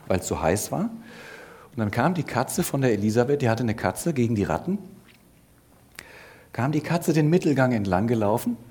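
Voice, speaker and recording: A man's voice: mid-range voice, a little mellow, slightly rough. A man preacher telling a story to children in a service, asking them questions as he goes. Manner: addresses children directly with questions.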